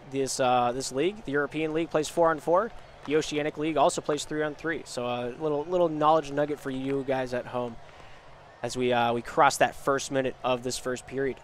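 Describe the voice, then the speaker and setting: A young man doing live esports play-by-play, hoarse from a week of illness, his voice sometimes cracking, rising with energy on shots and goals. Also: fairly high pitch, a bit bright.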